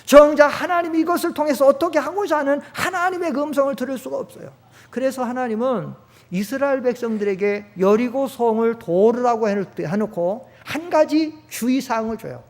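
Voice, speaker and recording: A man preaching in a very high, emphatic voice. He fires rhetorical questions and sometimes bursts into shouting. His words ring out with the long reverb of a church sanctuary. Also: animated, fairly quick. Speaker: pastor. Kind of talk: sermon.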